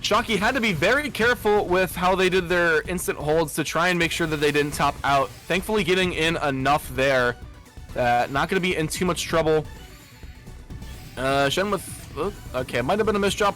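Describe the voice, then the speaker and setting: Male esports caster, bright tone, measured analysis, filler-heavy delivery. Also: on the high side, soft background music. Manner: analytical, steady, frequent "uh" fillers. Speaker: esports commentator. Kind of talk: play-by-play game commentary.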